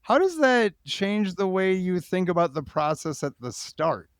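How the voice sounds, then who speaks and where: A man hosting a casual interview podcast, informal and halting as he thinks aloud. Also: high voice, big pitch swings, clear, resonant tone, no echo, studio quality. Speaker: podcast host.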